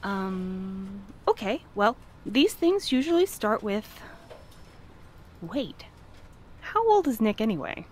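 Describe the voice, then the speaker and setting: A woman's voice: medium pitch, sing-song, takes it slowly, a little mellow, a little hiss or hum. A woman playing a prim, well-meaning courier in an audio drama, speaking in an earnest, careful, businesslike manner. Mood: businesslike, flustered. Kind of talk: naturalistic audio drama acting.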